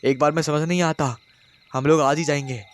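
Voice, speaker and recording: An irritated young husband, as a male storyteller puts him on scolds insistently, his pitch rising when he presses a point. It is a spoken horror-story voice. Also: fairly even intonation, normal speed, close to an everyday voice. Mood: scolding.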